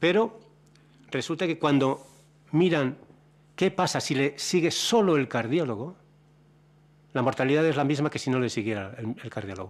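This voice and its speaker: A man talks at a moderate pace. His speech has long, frequent pauses. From Asturias, Spain. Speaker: family doctor, medical society president; speaker. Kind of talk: conference talk. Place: meeting room. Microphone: podium.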